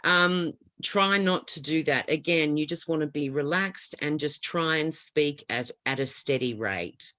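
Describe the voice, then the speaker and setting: A woman's voice: low-pitched, a little slow, few pauses, pushed and bright, no echo. Reassuring woman explaining test tips. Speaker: IELTS expert guest. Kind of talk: webinar advice.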